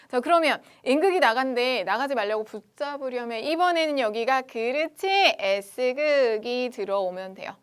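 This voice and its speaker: A lively woman teaching science in an online lecture, her voice sitting fairly high. She chats casually and keeps asking the students whether they follow. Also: smooth. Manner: lively, chatty, asks students questions.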